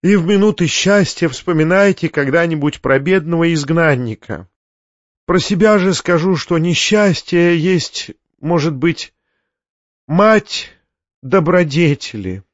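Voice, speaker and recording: A man's voice: a little high, animated, a little slow, dry recording, voice pushed up. A sanctimonious, self-pitying hanger-on, as a male reader puts him on, pious and mournful in tone. The sound is dull and dry.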